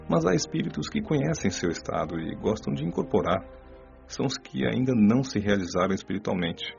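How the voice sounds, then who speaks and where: Radio novel mentor, Brazilian male actor: calm, instructive spirit guide, heavy vocal fry, measured delivery, muffled audio. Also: on the low side. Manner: didactic, measured explaining. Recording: dull lo-fi audio with music. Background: music.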